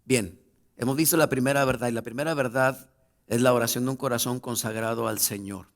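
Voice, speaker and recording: Man, pastor, sermon, scripture reading, loud emphatic bursts, mid-pitched voice. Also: steady tone, brisk. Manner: reads scripture aloud, then rises to loud, emphatic preaching; addresses the congregation directly as brothers.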